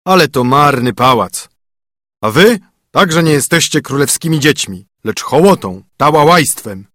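A man's voice: mid-range voice, sing-song, a little slow, slightly rough, no room sound, studio quality, full character voice. A man voicing a scornful blustering bear. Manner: loud, scornful. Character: rude blustering male bear.

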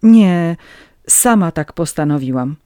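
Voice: mid-range voice, expressive, takes it slowly, mellow, clean tone, dry recording, clean studio sound. A reader voicing a weary pleading peasant girl. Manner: pleading, timid. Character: young pregnant peasant woman, exhausted and pleading. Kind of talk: audiobook reading.

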